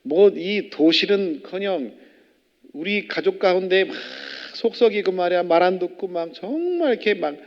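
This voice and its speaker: Male pastor, animated sermon delivery, quizzes the congregation, somewhat high voice, long church reverb. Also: normal speed, lo-fi sound. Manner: animated, fires rhetorical questions at the congregation. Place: church sanctuary.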